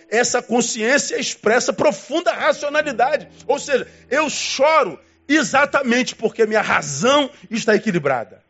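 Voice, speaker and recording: A man preaching a sermon as pastor, emphatic, with dramatic swings in pitch and long pauses. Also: a bit bright, muffled recording.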